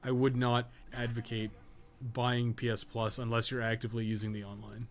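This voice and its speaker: A man's voice: medium pitch, little pitch movement, normal speed. A man giving casual, rambling gameplay commentary on a stream, swearing and muttering asides to himself as he plays. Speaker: podcast co-host playing a game on a live stream.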